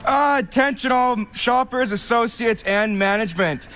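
A man's voice: extremely high pitch, moderate pace, a bit bright. A young man reading an angry, stumbling resignation announcement over a store intercom. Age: young adult. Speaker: store employee quitting.

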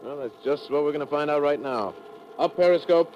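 An actor playing an easygoing, confident submarine commander in a 1950s radio drama, with casual authority. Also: male voice, a little high, brisk, natural voice. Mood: confident, commanding. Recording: dull, noisy old radio recording.

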